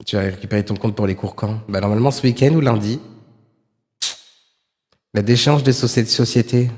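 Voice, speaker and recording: A man's voice: fairly low pitch, fairly even intonation, fairly quick, a little mellow, big-room sound. A man streaming live, commenting on videos and chatting with viewers in a sarcastic, rambling way with lots of fillers.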